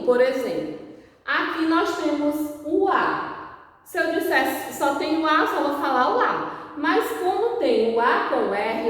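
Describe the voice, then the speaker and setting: Brief: Brazilian woman teacher, slow and patient, lively higher voice, echoey room, recorded from a distance. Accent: Brazilian Portuguese. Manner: slow, patient, over-enunciated demonstrations. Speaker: primary school teacher. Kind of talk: recorded remote lesson.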